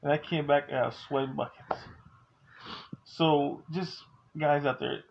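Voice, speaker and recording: A man's voice: a little high, fairly even intonation, unhurried, gravelly, dull audio, noisy background. A man in his forties talking at home, candid and joking but earnest as he gives advice. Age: 40s. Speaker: vlogger. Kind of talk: casual talk to camera.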